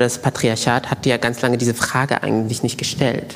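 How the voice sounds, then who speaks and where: With noticeable background noise, a man of medium pitch speaks at a moderate pace in a monotone, flat intonation. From Germany and Morocco. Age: 30s. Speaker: journalist and author. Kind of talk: panel discussion. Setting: stage with audience.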